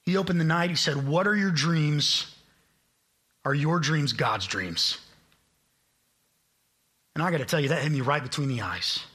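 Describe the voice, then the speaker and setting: Addressing the congregation in a church sanctuary, a late-twenties man from Kansas, a college admissions staffer serving as guest preacher, keeps his sermon upbeat, joking and self-deprecating. His voice runs high, bright and forceful, moving a bit slowly with long pauses.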